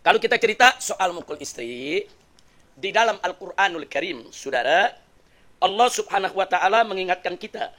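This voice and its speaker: A man preaching a sermon, telling stories in an animated, joking way and putting questions to the congregation. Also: high voice, normal speed. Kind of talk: sermon with storytelling.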